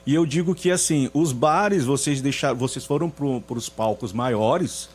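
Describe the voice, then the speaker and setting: Man around 50, singer guest, reflective, hesitant restarts, mid-pitched voice. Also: a little slow, a little mellow, husky. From São Luís, Maranhão, Brazil. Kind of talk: radio interview.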